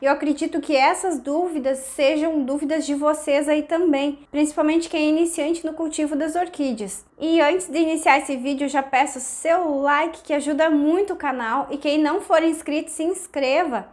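A woman, hoarse from a cold, chatting to camera and explaining orchid care with hand gestures, on a lapel mic in a small indoor room. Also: sits high, fairly even intonation, normal speed, hardly any pauses, darkish tone. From southern Brazil. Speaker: orchid-growing channel host. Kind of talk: casual tutorial talk to camera.

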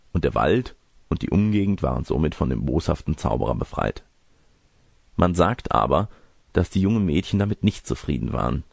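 A man with a low, husky voice reads a storybook tale as an audiobook narrator. His delivery is expressive and animated, recorded dry and close. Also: no echo.

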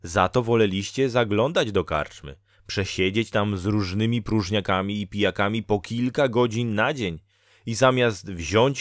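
A man's voice: lowish voice, no room sound, studio quality, lightly acted. A man voicing Dola, a female spirit of fate who scolds a lazy farmer in a storybook reading, with lecturing, reproachful delivery.

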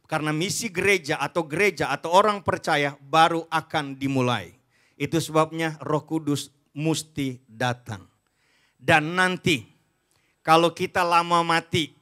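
A man's voice: on the high side, pushed and bright. A man in his forties preaching a sermon on a large church stage into a handheld mic, emphatic and addressing the congregation directly. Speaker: pastor.

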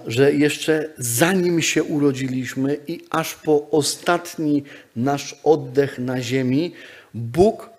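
A male pastor delivering a sermon, driving points home by repeating phrases and swinging between loud and quiet. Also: a little high. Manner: emphatic repetitive preaching, rising and dropping loudness.

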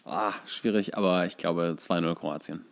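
Low-pitched man with a creaky voice. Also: fairly even intonation, normal speed. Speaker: podcast co-host. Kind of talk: casual football chat.

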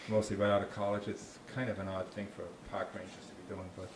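A park ranger from Boston, judging by his accent, talks fast in a low, level voice through a handheld mic. The setting is a small dark meeting room with a slide screen, where his informal, question-friendly talk wanders through restarts and dry jokes. Faint noise and room echo are audible.

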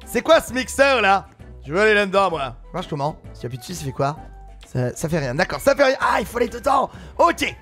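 A man giving excitable gaming commentary, exclaiming, laughing and shouting as he plays. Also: sits high, fairly quick, soft background music. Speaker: gaming YouTuber.

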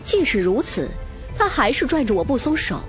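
A woman's voice: high-pitched, sing-song, fairly quick. A woman reading a romance novel as dramatic, scripted first-person narration. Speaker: audiobook narrator. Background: music.

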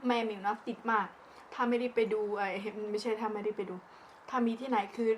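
A woman's voice: on the high side, steady tone, a little fast. A woman from northeastern Thailand chats casually as a food vlogger, talking as she eats with her mouth often full. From northeastern Thailand (lower Isan). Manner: talks while eating, mouth often full. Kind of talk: casual eating-show chat. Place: outdoors in a backyard. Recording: clear background noise, outdoor ambience.

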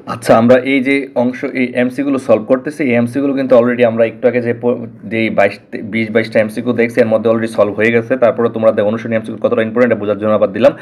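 Fast-talking Bangladeshi Bengali teacher, man. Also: mid-range voice, level tone, darkish tone. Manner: repeats answers and stresses importance, addresses students directly. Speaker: exam-prep teacher. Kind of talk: online exam-prep lesson.

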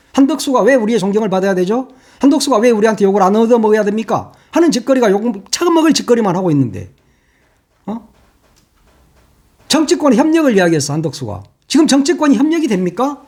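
Guy ranting on his politics channel, husky voice, swings all over, throws insults and rhetorical questions. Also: very high voice, darkish tone. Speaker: political YouTube commentator. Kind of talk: angry political commentary.

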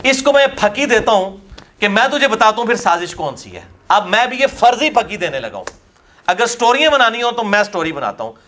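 Male religious scholar, Pakistani Urdu accent, high voice, emphatic and scornful in debate. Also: big pitch swings, a little fast, bright, forceful tone, a little hiss or hum. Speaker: religious scholar answering questions. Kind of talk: polemical Q&A lecture. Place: academy lecture hall.

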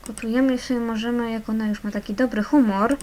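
A woman's voice: on the high side, steady tone, quick pace, darkish tone, a little hiss or hum. A young woman hosting a gaming channel, chatting casually over her play and fondly coaxing the little characters along. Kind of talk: casual let's-play commentary.

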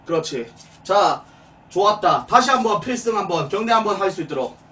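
Playing a drill sergeant for a comic military training stream, this young man issues commands and stern corrections in a high, expressive, sharp voice that runs a little fast. He is in a small room, captured by a distant room mic a few steps off, with music beneath.

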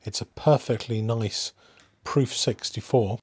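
A man hosting a hobby video in a casual, unscripted way, musing aloud with hesitant pauses. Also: mid-range voice, steady tone, breathy edge, no room sound. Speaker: host of a coin collecting channel.

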